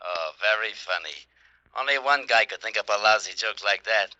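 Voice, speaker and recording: An actor playing a grumpy police sergeant on the phone in a 1940s radio crime drama, sarcastic in manner. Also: male voice, on the low side, lively intonation, moderate pace, pushed and bright, no room sound, lo-fi sound. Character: gruff police desk sergeant.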